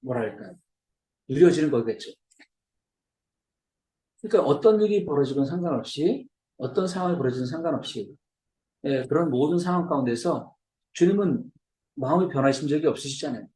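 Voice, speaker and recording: A man delivering a sermon with a slightly raised pitch and a mellow, dark tone. He preaches conversationally, often turning to the congregation with quick questions. The sound carries the echo of a reverberant church room. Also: animated. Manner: conversational preaching, checks in with listeners. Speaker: missionary preacher. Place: church hall.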